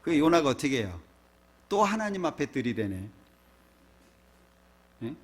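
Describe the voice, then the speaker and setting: A man's voice: on the high side, big pitch swings, fairly quick. A man pastor giving a sermon in a church, preaching conversationally with frequent rhetorical questions to the congregation.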